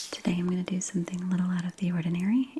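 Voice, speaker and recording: Soft-spoken, a woman talks. She has an American accent. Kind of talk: ASMR skin care talk to camera.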